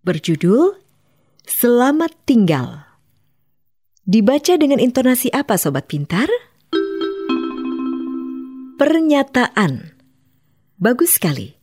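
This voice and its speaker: Slow, melodic woman narrating a lesson. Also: a little high, very animated, dark tone, faint music behind. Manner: slow, clear, instructive. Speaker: educational program narrator. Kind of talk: scripted narration for children.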